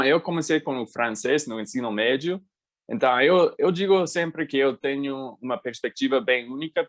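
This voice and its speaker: An American man from the United States, a native English speaker, appears as a guest in a casual interview. His voice is mid-pitched, and his delivery is halting like a second-language speaker's, restarting words as he searches for them.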